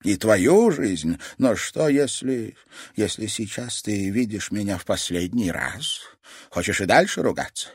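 A man's voice: on the high side, animated, brisk, no room sound, clean studio sound, voice pushed up, natural voice. A man voicing a firm but protective older woman, a grandmother, in an audiobook. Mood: pleading, protective.

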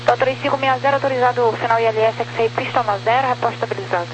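A woman's voice: a little high, steady tone, racing. A Brazilian woman working as an air traffic controller, giving procedural instructions over the radio. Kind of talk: radio instructions in set phraseology. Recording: noisy, humming radio channel.

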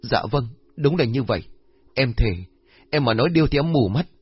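A man's voice: medium pitch, expressive, normal speed, breathy edge, no echo, highs cut off. A man voicing a frightened young village man who begs and swears oaths, in a storybook reading. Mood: swearing. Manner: wailing, begging, swearing oaths.

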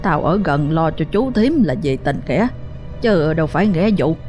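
A woman's voice: deep voice, expressive, moderate pace, mellow, soft background music. A woman voicing an indignant middle-aged aunt who answers back bluntly with a few hesitations.

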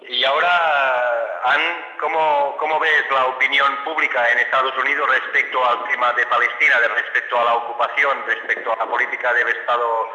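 A man's voice: mid-range voice, fairly even intonation, moderate pace, few pauses, sharp tone. A man interviewing a guest on the radio, speaking hesitantly with frequent "eh" fillers and restarts. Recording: echoey hall, dull lo-fi sound.

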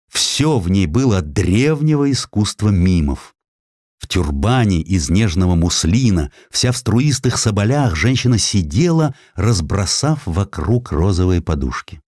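A man reading a historical essay as a dramatic audiobook narrator, with expressive, measured literary phrasing into a close studio mic. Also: low voice, no room sound. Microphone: close studio microphone.

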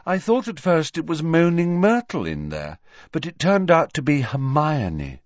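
A man's voice: fairly high pitch, wildly swooping pitch, unhurried, no room sound, voice pushed up. A dreamy, blunt teenage girl, put on by a man with a floaty, lilting voice that swoops up and down. She speaks airily and says odd things plainly. The sound is dull and dry. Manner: airy, sing-song, blunt.

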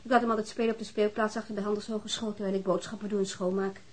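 A woman's voice: medium pitch, level tone, racing, darkish tone, close to an everyday voice. Weary, guarded mother played by a woman. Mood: weary, plaintive. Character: weary, guarded working-class mother, separated, struggling. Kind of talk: radio drama acting.

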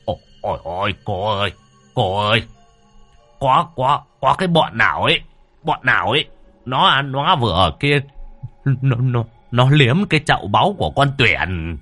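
A man's voice: low voice, lively intonation, unhurried, husky, dry recording, faint music behind, full character voice. A man doing a stammering, terrified village healer. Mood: stammering fright. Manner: stammering, panicky. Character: frightened stammering middle-aged male village healer.

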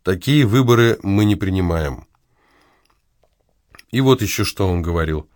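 Low-voiced man reading an ironic essay. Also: lively intonation, a little slow, darkish tone, dry recording, clean studio sound. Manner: ironic, argumentative. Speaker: essayist reading his column.

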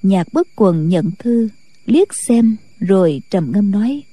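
A woman narrating a martial-arts novel as an audiobook in a steady, measured way. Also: medium pitch, dry recording.

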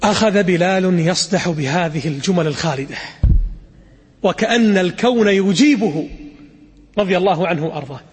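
A man preaches in a husky, high voice, lively and quick as he acts out the stories he tells. The sound has a long reverb, as in a large hall or mosque. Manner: lively, acts out quotes, demonstrates call to prayer recitation. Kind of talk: sermon storytelling to an audience.

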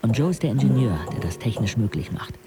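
A man's voice: medium pitch, big pitch swings, fast, creaky. An actor playing a sardonic, observant sixteen-year-old disabled boy who narrates a radio drama frankly and reflectively. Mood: matter-of-fact.

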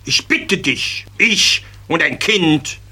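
Man doing a prim scolding schoolmistress, slow and drawn out. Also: a little high, expressive, pushed and bright, husky, full character voice. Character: stern prim female teacher.

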